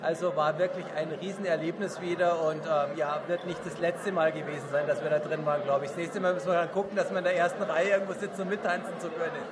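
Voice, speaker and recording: A man's voice: fairly high pitch, fairly even intonation, fast, few pauses. A man from a theatre audience, chatting in an upbeat way. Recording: crowd chatter behind.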